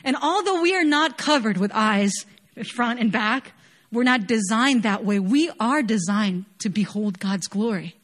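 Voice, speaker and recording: A woman's voice: a little high, lively intonation, unhurried, fairly bright tone. A young woman from Chile giving an earnest, conversational sermon, often dropping in casual fillers as she talks. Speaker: worship leader preaching.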